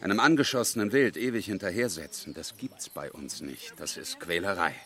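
An actor playing a gruff, indignant hunter in an audio crime drama, blustering and condescending. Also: male voice, deep voice, brisk, bright, forceful tone. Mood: defensive, blustering. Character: gruff, indignant male hunter defending hunting customs.

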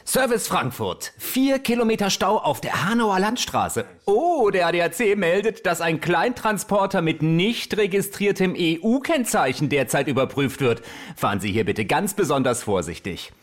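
A man's voice: high voice, animated, normal speed. A man playing a radio traffic announcer, delivering scripted bulletins in a radio comedy. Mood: exaggerated, excited. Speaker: traffic news presenter.

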